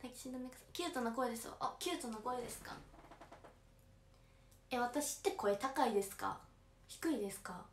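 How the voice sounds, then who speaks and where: A woman's voice: fairly high pitch, animated, moderate pace, long pauses. A teenage girl with a Kansai accent chatting on a livestream, reading viewer comments aloud and politely answering them. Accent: Kansai Japanese. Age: late teens. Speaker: idol audition candidate livestreaming to fans. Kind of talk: casual livestream chat. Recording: roomy, faint background noise.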